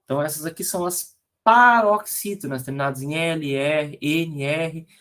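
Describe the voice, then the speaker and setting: Teaching grammar online, a man with a Brazilian Portuguese accent lays out the rules patiently and keeps checking in through tag questions. He slowly spells out letters and fixes mistakes on his slides out loud, in a fairly bright voice on the high side.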